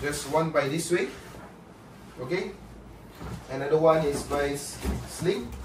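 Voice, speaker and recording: Very slow and broken by long, frequent pauses, a man's speech in a Singaporean accent holds fairly even intonation, with audible room echo and light background noise. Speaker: fishing YouTuber; fishing gear reviewer. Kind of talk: product review. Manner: casual, halting with fillers. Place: home room. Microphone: camera far.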